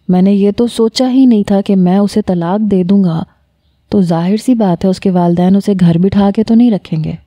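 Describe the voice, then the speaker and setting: A woman storyteller reading a scripted romance story, voicing every character in her own voice and lifting her pitch for quoted lines. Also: warm tone, no room sound.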